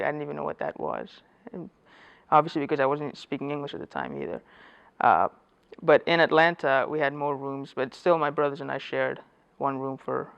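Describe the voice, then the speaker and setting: A native Dari speaker from Afghanistan reflects on growing up during an interview, hesitating often, restarting and correcting himself. His voice is a little high, with vocal fry and a fairly bright, clear, resonant tone, though the audio is dull and lo-fi.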